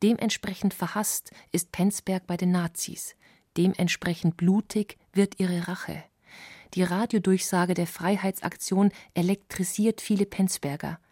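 Woman reading a doc voiceover, low-ish mellow voice, dry close sound. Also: steady tone, no echo. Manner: measured, sober. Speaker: narrator. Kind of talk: scripted documentary narration.

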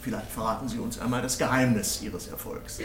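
A sardonic prosecutor presses his questions with dry irony, as a man acts him out. His voice is mid-pitched and rings in an echoey room, in a radio-play setting. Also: brisk, faint music behind, lightly acted. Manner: probing, ironic. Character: sardonic male public prosecutor questioning a company boss. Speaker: public prosecutor.

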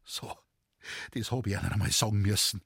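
Man doing a loud old forest warden, rough dialect, husky, dry close sound. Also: on the low side, steady tone, a little fast, no echo, pitched below the performer's own voice, full character voice. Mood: effusive. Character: booming loyal old Bavarian forest warden.

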